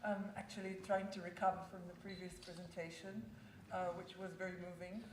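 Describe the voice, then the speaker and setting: A woman from Israel delivers a conference talk in a low, fairly flat voice, pausing often with ums as she picks her words. She is picked up from some distance in a roomy, echoing hall with faint background noise. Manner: thoughtful, hesitant with many fillers. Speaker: conference speaker. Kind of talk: public talk. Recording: echoey room, mic at a distance.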